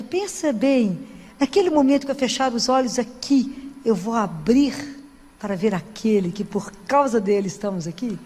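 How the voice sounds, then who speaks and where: High-voiced woman preaching in a church. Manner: warm storytelling with frequent "né?" asides. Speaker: Catholic lay preacher. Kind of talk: sermon to a congregation. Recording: long hall reverb.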